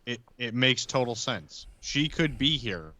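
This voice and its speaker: A man playing a blunt, steady undead character in a tabletop game, talking plainly and reassuringly. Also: medium pitch, unhurried.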